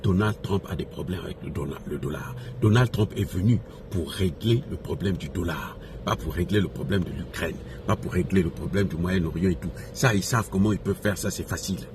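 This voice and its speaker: A man's voice: sits low, fairly quick, few pauses. A man from Africa gives impassioned off-the-cuff political commentary, emphatically repeating phrases and posing rhetorical questions to his followers. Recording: noisy recording with background ambience.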